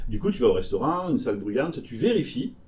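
A man's voice: mid-range voice, a little fast, far from the mic. A man with a northern French accent telling funny stories in a casual chat among friends. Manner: animated joking storyteller.

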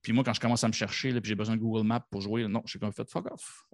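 A man's voice: fairly low pitch, steady tone, fast talker, no room sound, clean studio sound. A man with a Québécois French accent chatting casually as a podcast guest, in colloquial, anecdotal language. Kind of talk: casual chat.

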